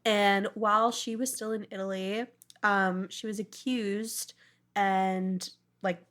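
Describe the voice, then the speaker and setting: A woman's voice: mid-range voice, flat delivery, takes it slowly, fairly bright tone. A woman co-hosting a podcast, chatting casually and jokily as she retells a story. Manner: informal and jokey, often laughing. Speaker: podcast co-host. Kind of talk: casual chat, retelling a true-crime case.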